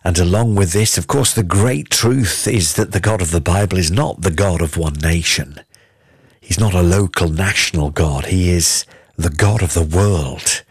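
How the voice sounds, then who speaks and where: A man reading psalm verses aloud and explaining them as a radio Bible teacher in an earnest, measured way. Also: deep voice, husky, no echo, studio quality.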